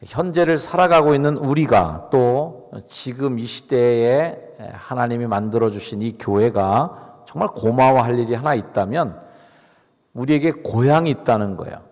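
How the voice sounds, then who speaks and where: Speaking at a medium pitch with a slightly mellow voice, a middle-aged pastor delivers a sermon in a chatty, conversational style and puts questions to the congregation. The church sanctuary gives the recording a long, hall-like reverb.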